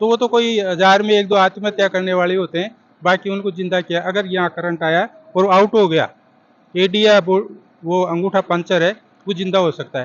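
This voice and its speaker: A high-pitched male voice at a moderate pace with fairly even intonation. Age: 70s. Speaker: retired electricity worker. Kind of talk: interview.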